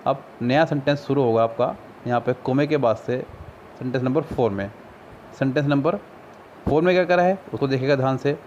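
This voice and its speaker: Man, Indian accent, Hindi speaker, explanatory, slow deliberate English reading, mid pitch, dull lo-fi audio. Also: a little mellow, slight background noise. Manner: patient, explanatory, reads English passages slowly and deliberately. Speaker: English exam tutor. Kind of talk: screen-recorded exam-solving lesson. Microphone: screen recorder mic.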